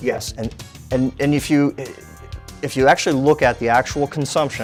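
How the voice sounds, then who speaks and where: A man at medium pitch, talking at a very fast pace over background music. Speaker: business machine store owner. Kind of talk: interview answer. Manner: hesitant, many fillers.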